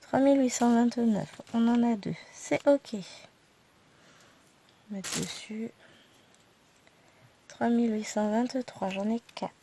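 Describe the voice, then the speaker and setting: A woman with a stuffy nose, casually counting her thread skeins aloud in slow, quiet numbers and chatting in asides. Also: a little high, vocal fry, a little hiss or hum. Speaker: cross-stitch YouTuber.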